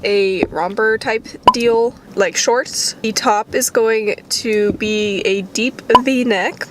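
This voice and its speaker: A woman's voice: a little high, a little hiss or hum. A young adult woman chatting casually to her vlog audience in a playful, slangy way.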